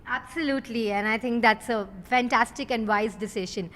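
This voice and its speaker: A woman's voice: fairly high pitch, normal speed, fairly bright tone. A woman hosting a conversational celebrity interview in an effusive, complimentary way. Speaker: interviewer, host. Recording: reverberant hall with background noise.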